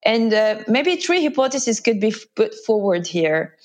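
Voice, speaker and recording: A woman's voice: medium pitch, big pitch swings, a little slow. Woman, panel discussion, formal academic phrasing, analytical.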